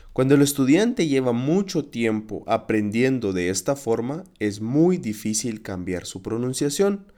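A man hosting a podcast lesson as a Spanish teacher, speaking in a clear, encouraging, teacherly way. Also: mid-range voice, darkish tone.

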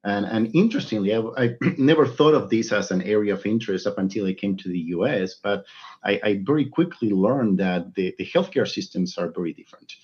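A man's voice: lowish voice, brisk, darkish tone, lo-fi sound. A man from Argentina, answering interview questions thoughtfully and often repeating words as he goes. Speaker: guest neurologist.

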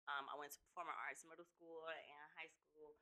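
A woman's voice: sits low, little pitch movement, a little fast, bright, forceful tone. A woman with an African American Detroit accent chatting casually as a podcast guest, playful and slangy in her manner. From Detroit, Michigan, USA. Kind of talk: casual interview chat.

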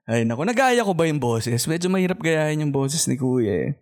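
A man's voice: on the high side, sing-song, a little fast. A man hosting a podcast in casual chat, playful and laughing often. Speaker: podcast host.

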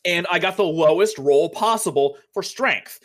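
A man's voice: on the high side, normal speed. A young man chatting casually about tabletop role-playing games, telling a long story with lots of fillers and the odd swear word. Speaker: podcast co-host, game master.

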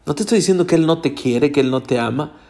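A man's voice: a little high, quick pace, darkish tone. Hispanic man preaching a sermon. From Latin America. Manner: earnest, direct address to congregation. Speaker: pastor.

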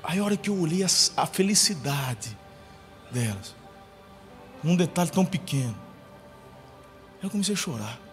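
A pastor with a high voice tells stories in his sermon, acting out the lines of the people in them. His voice rings through a large church hall with long reverb, and soft music plays faintly behind him. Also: expressive, normal speed, long pauses. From Brazil. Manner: storytelling with acted-out quotes.

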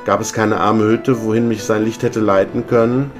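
A man voicing the tormented, chained ghost of an old business partner, speaking gravely and lamenting. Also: on the low side, level tone, normal speed, over music, close to an everyday voice. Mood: mournful.

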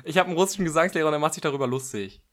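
A young man co-hosting a podcast in a relaxed chat, often laughing as he talks. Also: a little high, very fast. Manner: laughing, easygoing, chatty. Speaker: podcast co-host. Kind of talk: casual chat.

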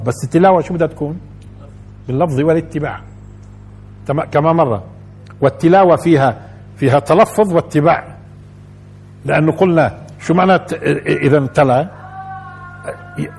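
A man with a Levantine Arabic accent gives a Quran commentary lesson, repeating phrases and putting questions to his listeners. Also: fairly high pitch. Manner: explains by repeating phrases and asking the audience questions. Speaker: religious teacher.

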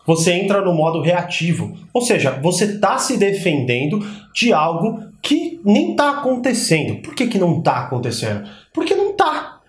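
A Brazilian man talking casually and with animation, giving advice to his viewers and asking himself rhetorical questions. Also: sits high. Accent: Brazilian Portuguese. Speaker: channel host, persuasion coach. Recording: echoey room.

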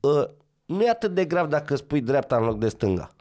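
A man with a Romanian accent, a rally co-driver and actor, chatting casually as a podcast guest, animated and slangy, laughing often. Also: on the high side.

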